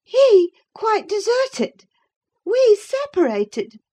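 A woman's voice: high voice, unhurried, dark tone, voice pushed up. A woman reader voicing a passionate, headstrong young woman torn in love, speaking with impassioned fervor. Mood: indignant. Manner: fervent, impassioned declaiming.

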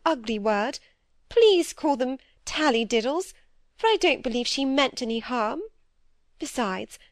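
A timid old spinster lady, as a woman narrator puts her on, her voice lifted high and quavering with worry. She pleads and frets in a fluttering rush, on the edge of tears. The sound is dry and close. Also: no room sound.

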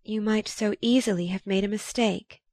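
A woman voicing a composed, dignified young society woman who speaks softly and earnestly. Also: medium pitch, fairly even intonation, normal speed, no room sound, clean studio sound, pitched above the performer's own voice, close to an everyday voice.

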